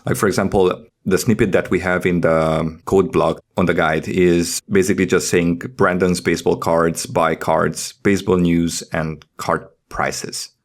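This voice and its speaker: A man's voice: deep voice, flat delivery, a little slow, few pauses. A man chatting casually as a podcast co-host, in a grumbling, skeptical manner. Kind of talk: casual panel chat.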